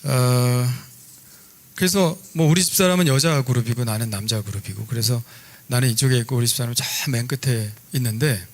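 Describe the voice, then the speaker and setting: A middle-aged man, a pastor, preaching a sermon in a relaxed, conversational storytelling way with lively asides. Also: mid-range voice, brisk.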